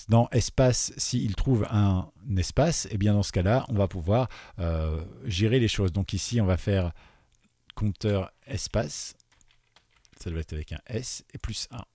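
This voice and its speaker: A man with a low, mellow voice walks beginners through a coding exercise, pausing with fillers and asking if they follow. His voice goes quieter as he types. The sound is dry and close, with keyboard clicks behind. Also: breathy edge, dry recording. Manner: explains step by step, often checks in with "d'accord?"; many fillers, trails off quieter while typing. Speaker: programming teacher. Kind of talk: screen-recorded coding tutorial. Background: keyboard typing.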